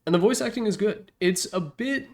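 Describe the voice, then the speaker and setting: A man's voice: high voice, animated, normal speed, darkish tone. A man giving casual, opinionated commentary as the host of a ranking, talking in a rambling, blunt, slangy way. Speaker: host ranking video game announcer packs.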